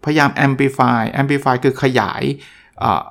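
A man with a gravelly, fry-tinged voice chats through the lessons of a self-help book. His delivery is casual and explanatory, and he pauses to translate English terms. His pitch sits in an ordinary middle range. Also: level tone, a bit bright. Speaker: book summary host. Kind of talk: casual spoken book summary.

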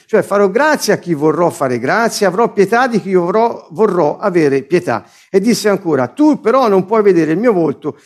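A man's voice: sits high, darkish tone. A man preaching a sermon, explaining scripture line by line and restating its words as he goes.

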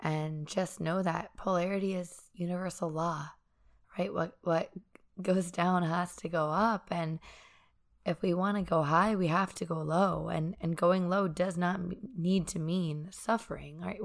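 Hoarse young woman, podcast host, low gravelly voice, earnest and encouraging. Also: fairly even intonation, unhurried. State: hoarse, raspy from sinus infection. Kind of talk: solo wellness podcast monologue.

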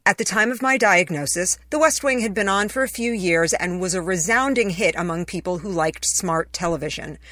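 A woman's voice: on the low side, moderate pace, hardly any pauses, fairly bright tone, dry recording, clean studio sound. A woman reading her own written essay in a conversational, personal storytelling manner. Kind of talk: scripted first-person essay narration.

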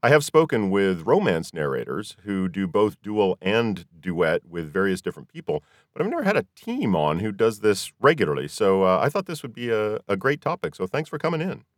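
A man's voice: on the low side, sing-song, brisk, few pauses, no room sound, studio quality. A man hosting a podcast, chatting casually as he interviews guests. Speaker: podcast host.

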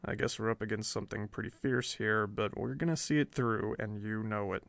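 A man voicing a steady, dry-witted male newspaper reporter who speaks low and unhurried, in an audiobook reading. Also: gravelly, no room sound. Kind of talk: audiobook character voice.

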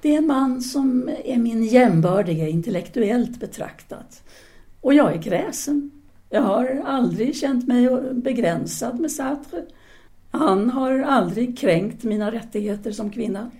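A woman's voice: on the high side, expressive, dark tone. An actress playing a self-assured, independent-minded French woman teacher in a 1930s audio drama, speaking formally and didactically. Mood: firm, reflective. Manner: formal, articulate, didactic, with hesitant pauses.

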